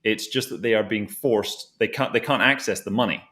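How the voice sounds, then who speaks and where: A man's voice: fairly low pitch, brisk, bright, forceful tone. A man hosting a conversational financial discussion, explaining things as he goes and often rewording his phrases. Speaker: host asking a co-presenter for his thoughts.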